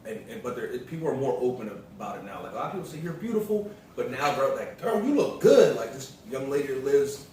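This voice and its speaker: A man's voice: mid-range voice, very animated, quick pace, hardly any pauses, mellow. American man in a very echoey room. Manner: informal, repeats points for emphasis. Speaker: partner of the vlogger, co-speaker. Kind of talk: casual chat. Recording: very echoey room, distant mic, faint noise.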